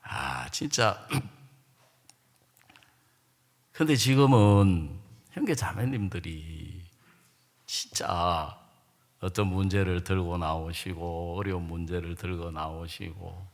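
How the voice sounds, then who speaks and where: A man's voice: deep voice, takes it slowly, pauses often. A middle-aged man preaching a sermon as a pastor, telling stories animatedly and acting out quarrels. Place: large church or camp hall. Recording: reverberant hall.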